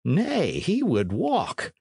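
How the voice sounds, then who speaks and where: Storybook young squire acted by a male reader, raised pitch, earnest and reproachful. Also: wildly swooping pitch, drawn-out words, vocal fry, darkish tone, husky, no room sound, clean studio sound, full character voice. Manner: formal archaic speech.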